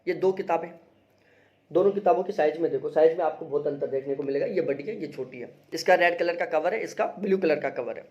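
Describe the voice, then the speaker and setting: A man's voice: fairly high pitch, fast, a little mellow, highs cut off. A young man, an exam-prep teacher, talking through study books in a casual, emphatic way and often checking in with his listeners. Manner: emphatic, repeats advice, frequent "theek hai" check-ins. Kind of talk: casual explanatory review.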